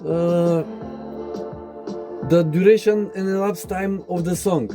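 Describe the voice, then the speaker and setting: A man narrating a scripted tech tutorial as its presenter, with deliberate, halting phrasing. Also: high voice, fairly even intonation, warm tone, soft background music. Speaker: presenter demonstrating a DIY electronics project.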